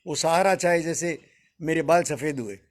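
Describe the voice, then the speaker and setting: An older man in his seventies speaks as a spiritual teacher, his voice sitting somewhat high for a man. He muses slowly through a reflective discourse, calls his listeners friends and lets a soft chuckle slip in now and then. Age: 70s.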